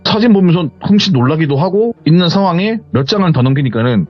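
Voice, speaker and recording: Husky man telling a ghost story, quick. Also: fairly high pitch. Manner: lively, animated storytelling. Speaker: horror story narrator. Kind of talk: retelling a viewer's ghost story. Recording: slightly muffled, faint music behind.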